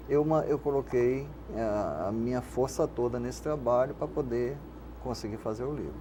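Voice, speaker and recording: An older Carioca man, interviewed about his life, with a somewhat high yet mellow, dark-toned voice. He talks in a rambling, reflective way, and a faint hiss of noise sits under the recording. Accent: Carioca Brazilian Portuguese. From Rio de Janeiro, Brazil. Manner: reflective, rambling with frequent "né?" tags. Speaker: guest, radio station manager and poet. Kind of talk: casual interview conversation.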